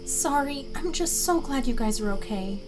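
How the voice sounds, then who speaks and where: A woman playing an excitable, caring young female psychic friend in an audio drama. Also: sits high, normal speed, over music. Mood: relieved, upbeat.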